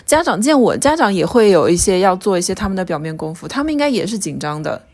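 A woman's voice: mid-range voice, very animated, fast, darkish tone. Reflective woman in her thirties. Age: 30s. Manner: reflective, thinks aloud with restarts. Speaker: podcast co-host. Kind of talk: casual chat.

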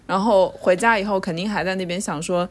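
Woman co-host, mid-pitched, careful and thoughtful. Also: fairly even intonation, fairly quick. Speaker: podcast co-host. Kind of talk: casual chat.

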